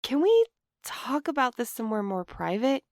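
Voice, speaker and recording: A woman acting an anxious, earnest young woman in an audio drama, speaking in an expressive, conversational way. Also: on the high side, normal speed, no echo, clean studio sound. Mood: anxious, apologetic. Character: Clementine, anxious, earnest young woman snooping on her date.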